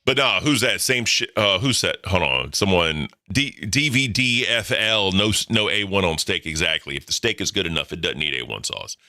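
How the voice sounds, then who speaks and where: A deep-voiced man in his thirties hosting a livestream, talking casually in a blunt, profane, rambling way. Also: animated, moderate pace, few pauses, bright, forceful tone. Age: 30s. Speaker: livestream host. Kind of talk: casual chat.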